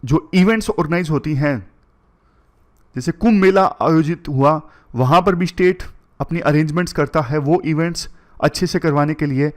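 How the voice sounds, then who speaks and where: A man's voice: a little high, moderate pace. A man teaching current affairs for an exam, going through points one by one and mixing in English terms. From India. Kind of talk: exam-prep lecture.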